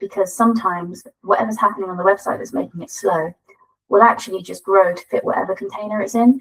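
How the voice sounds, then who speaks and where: This woman talks at a very fast pace with a British accent. Her intonation is fairly even. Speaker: marketing agency owner. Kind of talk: webinar presentation.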